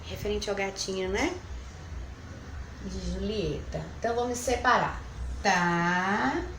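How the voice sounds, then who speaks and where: A woman teaching a recorded review lesson to children, counting syllables slowly and using sweet diminutives. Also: medium pitch, fairly bright tone. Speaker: primary school teacher. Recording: echoey room, faint background noise.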